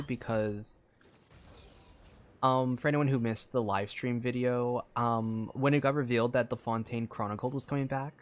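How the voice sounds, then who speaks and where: A man chatting casually on a gaming live stream, rambling and thinking aloud in a distracted way. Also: mid-range voice. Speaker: game streamer. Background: video game music.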